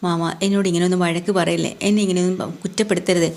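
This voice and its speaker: A defiant young bride, voiced by a woman retelling a serial. She speaks low and quick, sharp with threats. With her uncle she turns pleading. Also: fairly even intonation, creaky, a little hiss or hum. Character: defiant young bride, tough then tearful.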